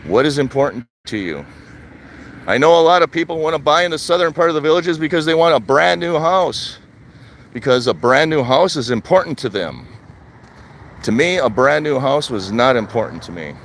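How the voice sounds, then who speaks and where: A man's voice: fairly high pitch, expressive, normal speed, fairly bright tone, slight background noise. An older man from Wisconsin, chatting casually on a live stream while walking outdoors. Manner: plain, conversational, repeats his points. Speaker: vlogger. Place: outdoors, walking in a retirement community.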